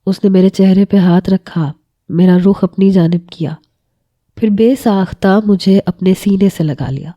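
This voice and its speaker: A woman narrates a romantic story in the first person, reading from a script with measured emotion. Her tone is very dark and mellow, at an ordinary middle pitch. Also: lo-fi sound.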